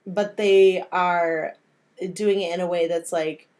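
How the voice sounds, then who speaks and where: A woman's voice: fairly low pitch, steady tone, takes it slowly, a little mellow. An American woman co-hosting a casual movie podcast, talking in a rambling, self-deprecating way. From United States. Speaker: podcast co-host.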